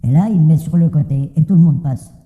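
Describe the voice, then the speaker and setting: An older man voicing an anonymous testimony, disguised by a deep pitch shift and telling his story in a plain, matter-of-fact way. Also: fast talker. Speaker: interviewee giving anonymous testimony. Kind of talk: interview answers. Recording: tinny phone-like sound with long reverb.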